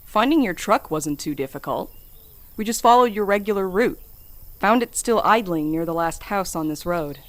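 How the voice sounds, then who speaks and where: A woman's voice: medium pitch, animated, normal speed, lightly acted. A woman playing a practical, caring friend in an audio drama, speaking naturally in a direct, matter-of-fact way. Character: practical, blunt, caring female rescuer and friend.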